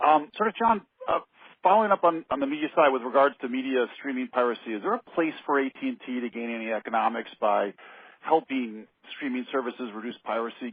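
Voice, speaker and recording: Male analyst caller, husky, lowish voice, putting questions to executives over a tight, dry telephone connection. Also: dry recording. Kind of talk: asking questions on an earnings call. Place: telephone call. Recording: dry, muffled narrow phone line.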